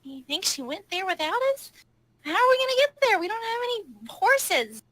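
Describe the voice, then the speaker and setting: A woman's voice: very high-pitched, sing-song, normal speed, fairly bright tone, no echo, pitched above the performer's own voice, heavily acted. A woman playing an earnest, anxious female adventurer in a tabletop game. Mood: worried. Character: worried, earnest female adventurer reading a friend's note.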